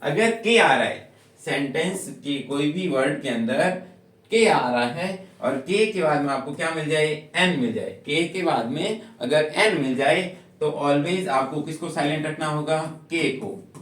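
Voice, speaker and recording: A man's voice: on the high side, animated, a little slow, a bit bright. A man teaching English spelling rules to a class, repeating each rule and asking questions that he answers himself. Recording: echoey room, voice from far off.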